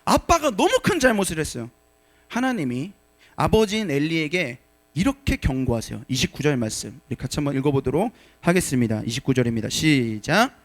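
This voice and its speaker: A man preaching a sermon as pastor, moving between calm scripture reading and forceful exhortation. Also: fairly high pitch, brisk. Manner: animated, shifts from quiet reading to shouted exhortation. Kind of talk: sermon to a young adult congregation.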